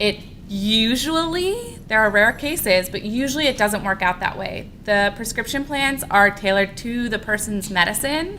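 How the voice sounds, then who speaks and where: Lively intonation at a moderate pace with hardly any pauses, over light background noise. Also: woman, fairly high pitch for a woman. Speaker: Medicare counselor training volunteers; presenter. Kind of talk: training presentation. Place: meeting room. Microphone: podium.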